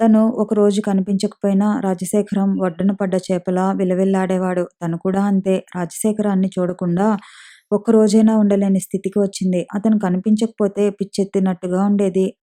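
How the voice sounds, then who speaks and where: A woman narrates an audiobook story in a calm, measured way. Her voice is deep, dark and mellow, and her pitch stays flat and steady from line to line.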